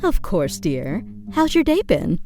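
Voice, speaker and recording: A woman's voice: on the low side, huge pitch swings, takes it slowly, over music, heavily acted. A woman voicing an affectionate, teasing pony mother who can turn stern, in a fan audio drama. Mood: fond, relaxed.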